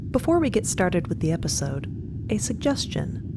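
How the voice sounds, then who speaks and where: Woman, lowish pitch, measured descriptive storytelling, scripted podcast narration, loud ambient rumble. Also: very animated.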